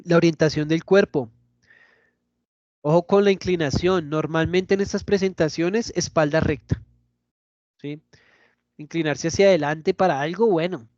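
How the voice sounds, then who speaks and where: A man giving an online lecture in a lively, demonstrative way, often checking in with his listeners. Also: on the high side, moderate pace, long pauses, no echo, dull audio.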